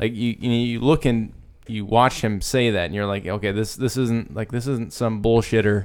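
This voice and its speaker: A man's unremarkable speaking voice, fairly low in pitch, at a moderate pace with fairly even intonation. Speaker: podcast co-host. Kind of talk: casual chat.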